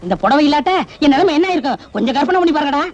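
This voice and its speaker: A man's voice: extremely high pitch, lively intonation, rapid-fire, a loud crowd. An actor playing a cheeky, quarrelsome young village man who brags and bickers, in an old film comedy. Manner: boastful and bickering. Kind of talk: 1980s Tamil film comedy. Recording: dull old film soundtrack with music.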